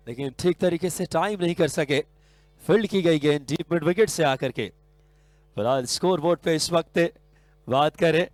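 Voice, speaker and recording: Male cricket commentator, Hindi accent, fairly high, smooth dry voice, excitable play-by-play. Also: dry recording. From India. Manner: excitable, rising sharply on big shots. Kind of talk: live sports commentary.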